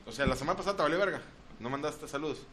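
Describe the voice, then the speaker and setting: A Mexican man hosting lively comedic radio banter in a teasing, foul-mouthed, exuberant manner. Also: a little high, very fast, slight background noise. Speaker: radio show host.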